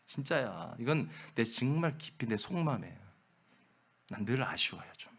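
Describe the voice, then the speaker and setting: A man's voice: mid-range voice, very animated, normal speed, gravelly, a bit bright, breathy edge. A male pastor preaching with emphasis in a church, talking straight to his congregation.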